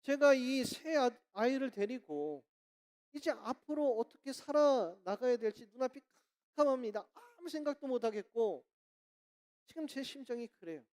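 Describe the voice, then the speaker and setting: A woman's voice: high-pitched, lively intonation, normal speed, a little mellow. A woman preacher voicing a grieving young father who sounds subdued and apologetic.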